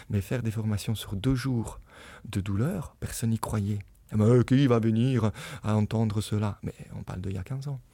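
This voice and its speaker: A man with a dark, mellow tone speaks at a medium pitch and a fairly slow pace. His intonation is fairly even, and the recording is very clean with a silent background. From Italy, Naples. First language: Italian (speaking French). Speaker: veterinary anesthesiologist. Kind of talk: interview. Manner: halting.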